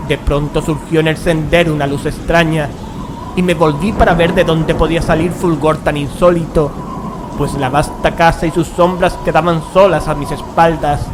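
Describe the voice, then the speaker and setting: An actor playing a horrified gentleman who recounts a gothic tale in solemn, measured, dramatic narration. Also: a little high, natural voice, poor audio. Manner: solemn, literary, measured phrasing. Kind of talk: dramatic scripted horror narration. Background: dramatic music.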